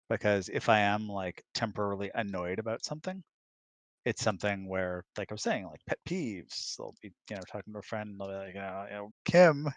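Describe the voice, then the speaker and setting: A middle-aged man chatting casually as a co-host, rambling and acting out imagined remarks as he goes. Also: lowish voice. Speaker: co-host, the husband. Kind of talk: casual chat. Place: close, dry room on an online voice chat.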